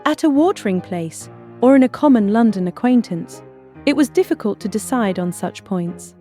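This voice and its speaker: Woman playing a guarded young regency lady, soft-toned mellow voice, formal and polite, faint music. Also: fairly high pitch, expressive, normal speed, close to an everyday voice. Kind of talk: period novel audiobook acting.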